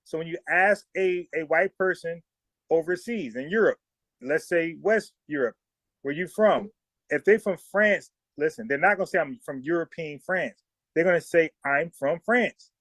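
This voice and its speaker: A man's voice: on the high side, moderate pace, fairly bright tone, dry recording. Insistent man debating, dry close sound. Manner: insistent, talks over the other speaker. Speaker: show host. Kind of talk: heated debate.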